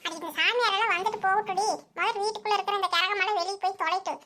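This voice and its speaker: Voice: very high voice, fairly even intonation, rapid-fire, pushed and bright. A performer voicing a middle-aged village aunt in a cartoon, who scolds and chatters. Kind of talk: cartoon voice acting.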